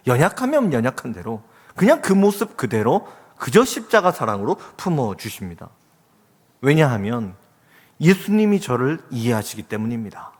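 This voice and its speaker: A pastor in his forties preaching a sermon, telling a family story earnestly and acting out the voices in it. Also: fairly high pitch. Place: church sanctuary. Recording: long reverb of a church hall.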